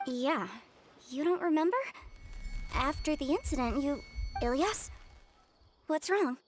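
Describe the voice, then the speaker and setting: A woman voicing a caring, brisk, protective young sister in an anime-style video game. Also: high voice, animated, faint music behind. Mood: concerned.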